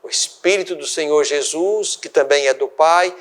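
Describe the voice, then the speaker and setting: An older man from Brazil, a bishop hosting a religious program, giving a sermon-like reflection in slow, deliberate, measured phrases. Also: a little high, a bit bright.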